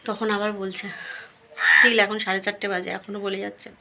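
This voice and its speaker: A woman's voice: medium pitch, flat delivery, normal speed. A woman vlogging confessionally to her viewers, aggrieved and going back over the same points. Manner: aggrieved, repetitive. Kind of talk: confessional vlog talk to viewers. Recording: very noisy room recording.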